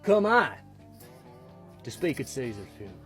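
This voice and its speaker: A man with a Southern US accent and a husky voice, reciting a Shakespeare monologue in a casual, halting way with restarts. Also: mid-range voice, very animated, fairly bright tone, faint music behind.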